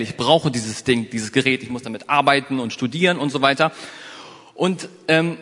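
A man giving a motivational talk, telling a personal story in a lively way and speaking straight to his listeners. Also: a little high, big-room sound.

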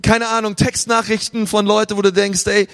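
A man's voice: sits high, flat delivery, moderate pace, fairly bright tone. A man preaching a sermon in a casual, conversational way, acting out the thoughts of his listeners. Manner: casual, conversational, acts out inner voices. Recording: reverberant hall.

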